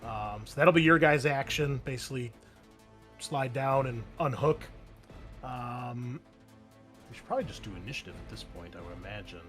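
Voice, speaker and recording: A man's voice: mid-range voice, animated, moderate pace, fairly bright tone, faint music behind. A man working as game master, narrating and refereeing a tabletop roleplaying game in a casual way.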